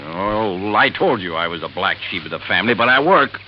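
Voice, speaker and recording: An actor playing a blunt carnival roustabout, the family black sheep, in an old radio drama. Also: male voice, low-pitched, expressive, brisk. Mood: irritated, defensive. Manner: blunt, colloquial. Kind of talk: 1940s-50s American radio acting. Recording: muffled, noisy old radio recording.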